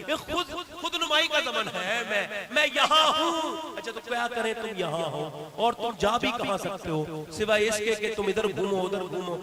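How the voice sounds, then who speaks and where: Fiery high-voiced male preacher. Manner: fiery, rises to shouting peaks; coaxes the crowd to respond. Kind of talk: sermon. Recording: live event with crowd behind.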